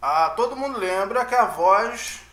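A man's voice: high-pitched, expressive, unhurried, fairly bright tone, a little hiss or hum. A man giving a casual music lesson, chatty and often checking in with his listeners. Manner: chatty, with frequent tag questions. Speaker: music teacher. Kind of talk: casual online lecture. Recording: roomy echo.

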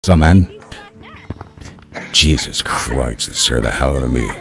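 Man through a very deep voice changer. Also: expressive, slow pace, creaky, faint music behind. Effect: deep pitch-lowering voice changer. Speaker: gaming video creator. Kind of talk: casual in-game chat and mock narration.

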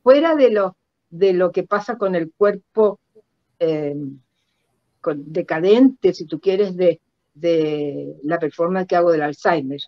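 An older woman with a Chilean accent recounts personal stories reflectively in an interview, halting and repeating words for emphasis over a video call. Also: lowish voice, no echo. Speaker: guest performance artist. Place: indoor room at home. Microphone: computer mic on a video call. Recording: dull lo-fi video call audio.

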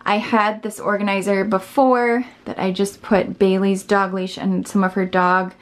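A woman's voice: mid-range voice, level tone, measured pace. A woman in her thirties giving a casual, upbeat tour of her small laundry room, filmed on a handheld phone. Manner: chatty and upbeat, with fillers and small laughs. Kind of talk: casual home tour chat. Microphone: handheld phone camera.

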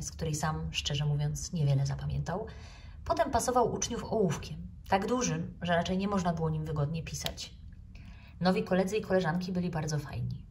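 Brief: actress narrating a kids' book, measured and clear, lower voice, slightly distant mic. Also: female voice, a little mellow, slight background noise. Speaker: actress reading a children's book. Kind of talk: storybook reading aloud.

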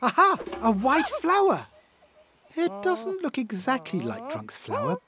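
Slow, very animated cartoon narrator. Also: sits high, very noisy. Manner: expressive, reacting with exclamations and questions to the action. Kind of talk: children's cartoon story narration. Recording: music behind the voice. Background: cartoon music.

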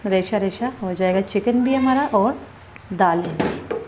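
Woman calmly walking viewers through a recipe. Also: mid-range voice, a little slow, slight background noise. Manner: calm, instructive, addresses viewers directly. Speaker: cooking vlogger. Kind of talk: step-by-step cooking narration. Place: home kitchen at the stove.

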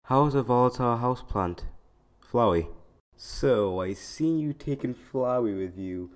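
A man's voice: mid-range voice, lively intonation, measured pace, natural voice. A man reading out fan questions in a scripted comic dub.

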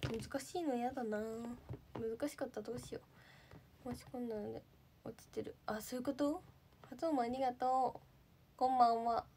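A woman's voice: a little high, fairly even intonation, moderate pace, long pauses, warm tone, slight background noise. Bubbly young Japanese woman livestreaming. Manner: bubbly, chatty, thanks viewers often. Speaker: idol livestreamer. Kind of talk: casual livestream chat reading comments.

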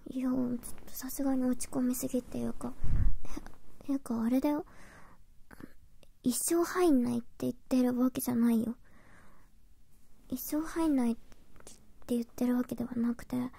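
女性が演じる息多めのツンデレ彼女、照れ隠しの否定、囁きロールプレイ. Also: female voice, high voice, fairly even intonation, normal speed, long pauses, warm tone, full character voice. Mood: flustered, huffy. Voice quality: breathy. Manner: huffy, flustered denial with stammers. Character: tsundere young girlfriend, huffy, flustered, secretly soft. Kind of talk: whispered role-play. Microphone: close, dry binaural microphone.

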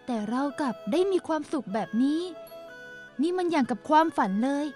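A woman voicing a kind, hopeful young servant girl, gentle and earnest, in a motion-comic drama. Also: high voice, brisk, faint music behind, close to an everyday voice. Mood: hopeful, reassuring.

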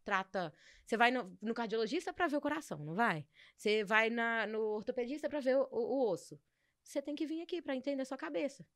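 Young woman, podcast guest, rapid animated storyteller, dry close sound. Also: fairly high pitch, no echo. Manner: animated storytelling, acts out quoted voices. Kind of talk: casual podcast conversation.

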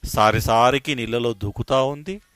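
A man's voice: medium pitch, normal speed, fairly bright tone, clean tone, dry recording, natural voice. A man voicing a worried mother eagle fretting over her chick in a raised, pleading storyteller voice.

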